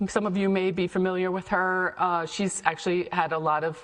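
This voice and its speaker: A woman's voice: on the low side, fairly even intonation, brisk. A middle-aged woman with an American accent gives a chatty, informal talk about her own life to an audience. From Ohio, United States. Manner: chatty, conversational. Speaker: guest speaker, chef and cafe founder. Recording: echoey hall, long reverb.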